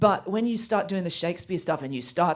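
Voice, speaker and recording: A woman talks at a fairly quick pace with an Australian accent. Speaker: children's author. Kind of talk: panel discussion. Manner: fast.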